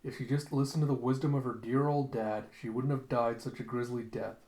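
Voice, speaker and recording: A man acting a grim old hunter, a vengeful father with a stern, deliberate manner. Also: medium pitch, fairly even intonation, dark tone, close to an everyday voice, low-quality recording. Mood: grim, wry.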